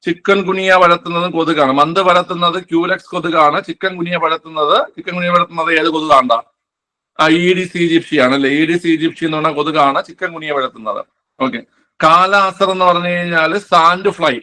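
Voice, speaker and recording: A man's voice: on the high side, fairly even intonation, normal speed, bright, forceful tone. A man teaching an exam-prep quiz class online, repeating each answer and asking himself questions before answering them.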